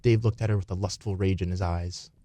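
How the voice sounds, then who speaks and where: A man's voice: low-pitched, fairly even intonation, fairly quick, dark tone, no echo. A man reading scripted story narration as the narrator of a radio play.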